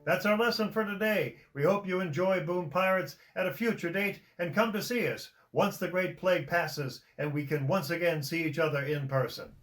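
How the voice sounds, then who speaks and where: A man's voice: a little high, moderate pace, few pauses, close to an everyday voice, low-quality recording. A man playing a Renaissance privateer surgeon, giving a theatrical navigation lesson in mock olde-time speech at a faire demonstration. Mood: instructive, hearty. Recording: loud plucked guitar music behind.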